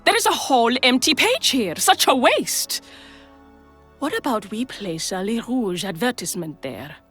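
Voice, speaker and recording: Wry, theatrical madam, music behind. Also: female voice, on the high side, sing-song, moderate pace, a bit bright, breathy edge, full character voice. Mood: coaxing. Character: worldly, sardonic, protective brothel madam. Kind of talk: scripted game dialogue.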